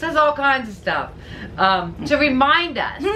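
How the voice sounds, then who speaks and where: Loud and fairly slow, a woman speaks with very wide pitch swings over noticeable background noise. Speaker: vlogger. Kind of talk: casual chat.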